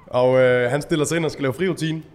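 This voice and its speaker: A man telling stories in a casual podcast chat, animated and acting out shouted quotes. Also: medium pitch, big-room sound, slight background noise. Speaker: event organizer.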